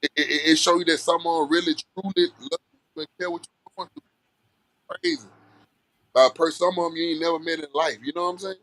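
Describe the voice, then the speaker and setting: A man's voice: a little high, steady tone, brisk, a bit bright, dry recording, poor audio. A man from Alabama with a Southern Black American accent, chatting casually and earnestly in a folksy way as an interview guest. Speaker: music artist guest.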